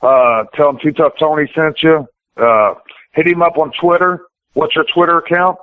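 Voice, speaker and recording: A man's voice: a little high, steady tone, normal speed, no room sound. A man, a pro wrestler giving a casual interview, who rambles in plain-spoken, colloquial and sometimes profane speech. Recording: tinny phone-like radio interview audio.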